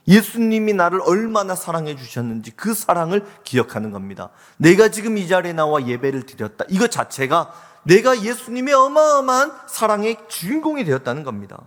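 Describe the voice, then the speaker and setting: Impassioned male pastor in a reverberant church. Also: fairly high pitch. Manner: impassioned preaching with rising, exhorting calls. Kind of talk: sermon. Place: church sanctuary.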